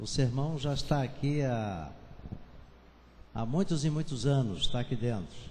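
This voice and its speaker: A dark, mellow, somewhat breathy tone at a fairly slow pace, with ordinary pitch variation, long, frequent pauses and audible room echo. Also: man, medium pitch for a man. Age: 60s. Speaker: pastor. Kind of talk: church announcements. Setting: church.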